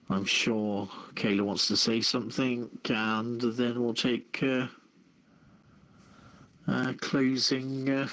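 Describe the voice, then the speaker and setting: A man hosting a live online radio show and reading out copy in a halting way, stumbling over his words. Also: mid-range voice, a bit bright.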